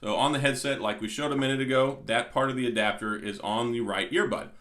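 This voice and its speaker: A man with a medium-pitched voice presents an unboxing in a casual, explanatory way. He talks like a product reviewer, going through each item step by step. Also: fairly even intonation, fast talker, a bit bright.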